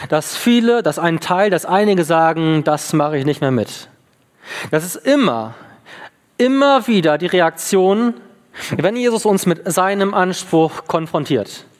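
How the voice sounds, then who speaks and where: A man preaches with a high-pitched voice, earnest and insistent, often circling back over the same words. His voice carries a long reverb from a large hall. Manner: earnest, repeats phrases for emphasis. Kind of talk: sermon.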